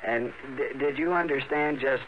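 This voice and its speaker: A man playing an earnest, excitable radio tinkerer in a 1950s radio drama, with an eager, halting and insistent delivery. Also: medium pitch, lightly acted. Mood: insistent, nervous. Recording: noisy, dull vintage radio broadcast.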